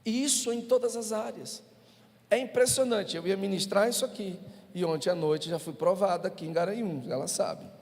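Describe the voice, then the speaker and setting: A man's voice: high voice, moderate pace, darkish tone. A male pastor with a Brazilian Portuguese accent, preaching a sermon and telling humorous stories to the congregation. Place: church hall. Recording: reverberant church hall.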